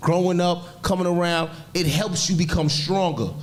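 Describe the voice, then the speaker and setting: Through noticeable background noise and audible room echo, a man with an American accent speaks at a high pitch. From Brooklyn, New York. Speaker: talk show co-host. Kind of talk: heated debate.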